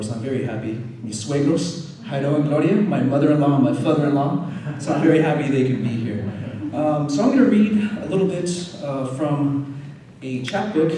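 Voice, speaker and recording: A poet speaks to a crowd in an easygoing way, with a mellow tone and a mid-range pitch for a man. He is recorded from some distance in a very reverberant room with faint background noise. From Arizona, United States. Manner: relaxed chatty asides, animated when reading. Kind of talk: poetry reading. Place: poetry reading venue.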